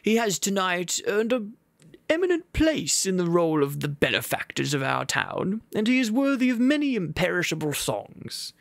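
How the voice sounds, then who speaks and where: A man voicing a posh, obnoxious male town master who speechifies loudly and haughtily. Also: sits high, very animated, gravelly, dry recording, clean studio sound, pitched above the performer's own voice, exaggerated voice. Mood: indignant. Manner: loud, haughty, drawn-out speechifying.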